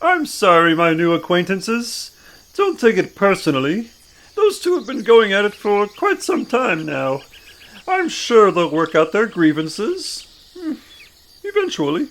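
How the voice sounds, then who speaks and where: A performer voicing a polite, gently apologetic island host in an audio drama, courteous and soothing. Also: medium pitch, wildly swooping pitch, a little slow, full character voice. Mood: reassuring, apologetic.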